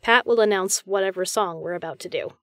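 A woman's voice: mid-range voice, fairly quick, fairly bright tone, dry recording, natural voice. A woman playing a friendly, chatty, reassuring female caroler in a one-sided roleplay audio conversation. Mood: cheerful, chatty. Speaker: voice actor.

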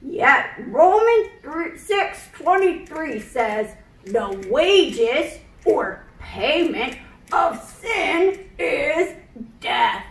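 A woman voicing a kindly old grandpa puppet in a children's show, teaching in a deliberate way. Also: high voice, very animated, creaky, full character voice. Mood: patient, earnest. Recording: echoey room.

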